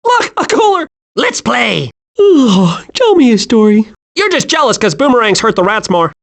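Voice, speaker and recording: A hyperactive cartoon squirrel with a very high voice that swoops up and down. He is childlike and gleeful, chattering with wide-eyed, naive excitement as a video game character. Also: moderate pace, gravelly, full character voice. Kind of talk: animated video game voice acting.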